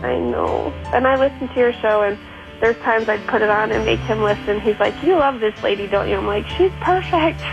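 A woman's voice: on the high side, fairly quick, creaky, over music. Hesitant young woman on a phone line. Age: 20s. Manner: hesitant, shy, lovesick. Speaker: caller.

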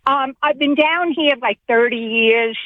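A woman calling in to a radio show, with a New York accent tinged with Southern, protesting in a slow, laid-back way. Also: sits high, dry recording. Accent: New York with some Southern. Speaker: caller. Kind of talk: phone call to radio show. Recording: tinny phone line.

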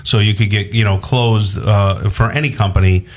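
A man's voice: lowish voice, fairly even intonation, normal speed. A male co-host interviewing a guest, often affirming and interjecting. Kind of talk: interview conversation.

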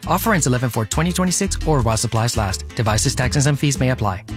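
Quick wry man over loud guitar. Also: mid-range voice, expressive. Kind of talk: commercial voice-over.

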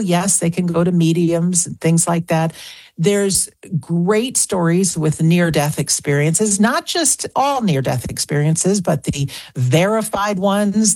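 Woman, 60s, radio guest; low, gravelly voice, earnest, piles up examples. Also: darkish tone, dry recording. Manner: earnest, talks in lists and repeats phrases. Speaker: guest author. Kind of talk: radio interview.

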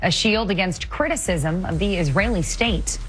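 Lady news reporter, crisp measured read, faint music under. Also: on the low side, rough recording.

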